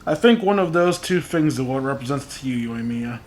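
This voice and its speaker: A man's voice: mid-range voice, expressive, a little fast, slight background noise. A man giving casual playthrough commentary as a gaming YouTuber, with informal, self-deprecating asides.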